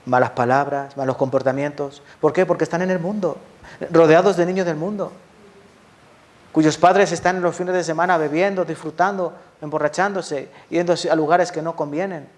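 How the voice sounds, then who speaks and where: A man's voice: fairly high pitch, fairly even intonation, moderate pace. Impassioned Spanish man preaching a sermon. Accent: Spanish from Spain. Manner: impassioned, asks the congregation questions and answers them himself. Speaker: pastor.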